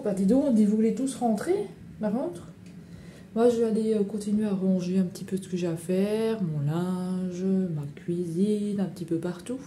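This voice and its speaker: A woman's voice: medium pitch, mellow, slight background noise. A woman in her thirties chatting casually in a home vlog from her kitchen, rambling with lots of fillers and slang. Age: 30s. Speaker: vlogger.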